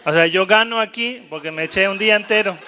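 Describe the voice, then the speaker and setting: A Catholic priest giving a lively, joking talk to a gathered congregation in a large hall, teasing the crowd and mimicking doubtful priests. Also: male voice, sits high, quick pace, noisy background. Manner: jokey and animated, mimicking doubtful priests, rallying listeners. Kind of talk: live sermon-style talk to a gathered congregation.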